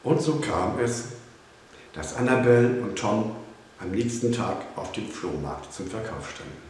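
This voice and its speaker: A man narrating a children's storybook in a calm, measured reading, in an echoey room with faint hiss. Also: lowish voice.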